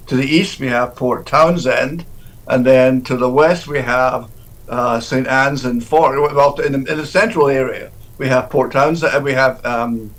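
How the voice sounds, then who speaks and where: A man, a deacon, answering interview questions in a halting way, often restarting and repeating words. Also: mid-range voice, a bit bright, poor audio.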